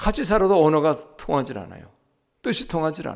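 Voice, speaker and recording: A very clean recording with a silent background captures a man speaking at a fairly quick pace. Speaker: pastor. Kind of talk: sermon.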